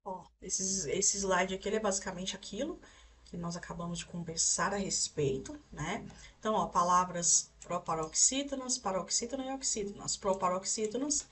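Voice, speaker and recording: A woman's voice: mid-range voice, normal speed, a bit bright, recorded from a distance, a little hiss or hum. A young Brazilian woman teaching an online grammar lesson, explaining step by step and checking in with her listeners. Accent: Brazilian Portuguese.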